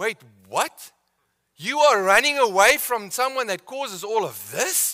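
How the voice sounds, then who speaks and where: In a raised, projected voice, a man speaks at a very slow pace with an extremely high pitch, ordinary pitch variation and a bright, sharp tone, in a dry, close sound with no echo. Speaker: pastor. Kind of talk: sermon. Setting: church. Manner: animated.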